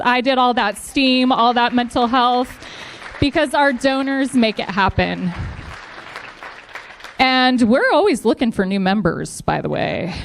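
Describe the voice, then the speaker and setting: Upbeat woman addressing an audience. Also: medium pitch. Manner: upbeat, encouraging, promotional. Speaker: foundation representative speaking at a district event. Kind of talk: live event speech to an audience.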